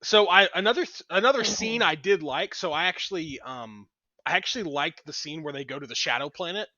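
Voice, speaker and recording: A man's voice: fairly high pitch, animated, a little fast, pushed and bright, no echo, dull audio. A man co-hosting a casual film review podcast, chatting in a joking, teasing way. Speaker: podcast co-host.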